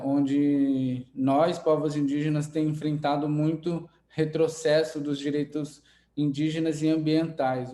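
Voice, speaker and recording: A man's voice: on the high side, warm tone, roomy sound. A Brazilian Indigenous man, not a native Portuguese speaker, speaking with many hesitations as an invited musician at an online event. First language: an Indigenous language. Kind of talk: heartfelt online event remarks.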